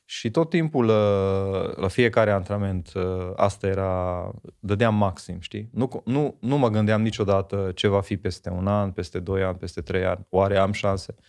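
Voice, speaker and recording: Speaking with hardly any pauses, this former speed skater from Miercurea Ciuc, Romania, has a low, creaky, slightly mellow voice. The man, in his forties, is a podcast guest who recalls the past thoughtfully and keeps tagging his lines with "you know?".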